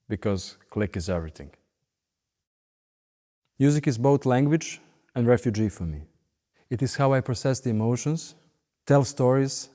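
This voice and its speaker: A man in his late thirties with a Serbian accent, speaking as an interviewed musician in short, deliberate phrases. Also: mid-range voice, mellow. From Belgrade, Serbia. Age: late 30s. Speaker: professional orchestral violinist being interviewed. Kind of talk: interview monologue. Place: large recording hall. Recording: long hall reverb.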